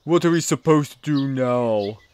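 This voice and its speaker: A man's voice: medium pitch, normal speed, a little mellow, smooth, natural voice. A man playing a remorseful male comedian stuck in a frog puppet body in a hobby audio play, speaking earnestly and plainly.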